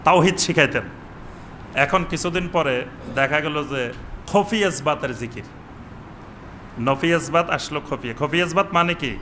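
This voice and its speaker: Male preacher, bright tense voice, chants Arabic lines slowly, faint room noise. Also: on the high side. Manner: chants Arabic phrases slowly, questions the audience. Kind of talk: sermon. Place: mosque with upper floor and veranda.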